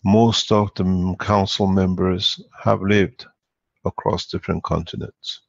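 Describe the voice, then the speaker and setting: A man with a low, gravelly voice speaks in a deliberate, formal manner as host. His tone is husky and rough. The audio is dry and dull, like lo-fi call sound. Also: flat delivery, dry recording. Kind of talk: speech on an online call.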